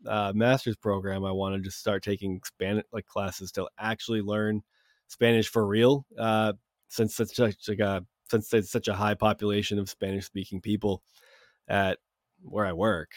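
A man's voice: on the low side, level tone, moderate pace, no echo, clean studio sound. A young man hosting a podcast, talking in rambling casual chat with many fillers. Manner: rambling, heavy on fillers and restarts. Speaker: podcast host.

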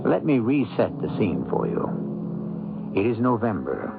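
An actor as a suave, ominous host narrating a radio mystery in a measured, theatrical, insinuating way. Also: male voice, lowish voice, big pitch swings, creaky, heavily acted. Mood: ominous, suspenseful. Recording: narrow-band old radio broadcast. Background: loud dramatic music.

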